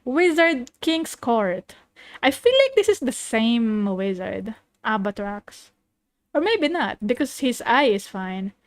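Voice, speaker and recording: A woman's voice: on the high side, big pitch swings, unhurried, no echo. A woman VTuber giving casual, exclamatory reaction commentary with informal swearing, recorded close in a dry room. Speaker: VTuber host.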